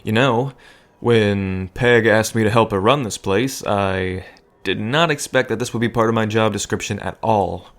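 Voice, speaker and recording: Man playing a gentle, low-voiced, hesitant bartender. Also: normal speed, hardly any pauses. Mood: wry, chatty. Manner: hesitant, soft-spoken, earnest rambling. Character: gentle, nervous young man, bartender and math teacher. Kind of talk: intimate audio drama acting addressed to listener.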